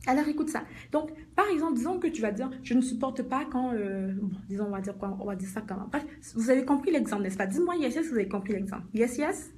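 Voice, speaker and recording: Animated woman coaching viewers. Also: a little high, fast talker, few pauses, a little hiss or hum. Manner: animated, repeats points, talks straight to the viewer. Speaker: life coach. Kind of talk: motivational live talk to viewers.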